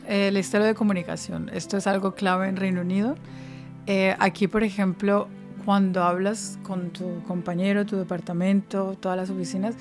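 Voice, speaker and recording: Woman guesting on a podcast, pretty flat delivery, explains things calmly, faint guitar music in the back. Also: medium pitch. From Spain. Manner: explanatory, evenly paced answers. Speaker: podcast guest, career advisor. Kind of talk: interview podcast.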